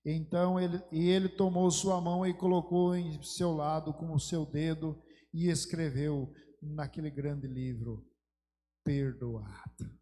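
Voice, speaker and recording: High-voiced pastor preaching. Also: male voice, level tone, normal speed, warm tone, slight background noise. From Brazil. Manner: fervent storytelling preaching that swells into emphatic exhortation. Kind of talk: sermon. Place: church sanctuary. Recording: long church hall reverb.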